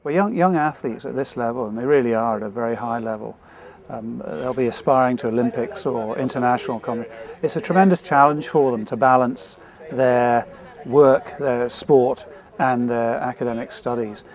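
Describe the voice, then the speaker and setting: A man speaks as a programme spokesman in an explanatory interview. His voice sits at a medium pitch. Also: moderate pace, darkish tone. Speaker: sports academy spokesman.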